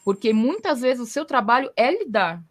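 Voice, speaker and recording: A woman's voice: a little high, very animated, moderate pace. A Brazilian woman hosting a casual talk, explaining her points with everyday examples. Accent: Brazilian Portuguese. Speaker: podcast host. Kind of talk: casual conversational advice.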